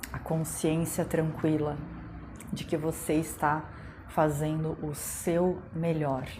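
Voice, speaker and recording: Through noticeable background noise and audible room echo, a woman with a very deep, low pitch and a calm tone speaks in a monotone, flat intonation at a very slow pace, with long, frequent pauses. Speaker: spiritist study teacher. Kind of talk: live-stream study class. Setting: live stream. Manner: calm, meditative.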